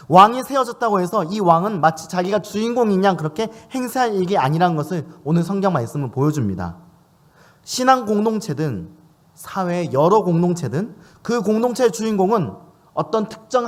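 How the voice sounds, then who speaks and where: Lively high-voiced male preacher. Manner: preaching with lively rises and falls, asking the listeners questions. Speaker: pastor. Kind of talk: sermon. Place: church.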